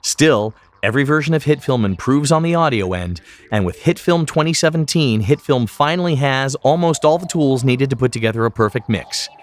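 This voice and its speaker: A man presenting a tutorial in scripted, explanatory narration, enunciating each term clearly. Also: mid-range voice, animated, a little fast, few pauses.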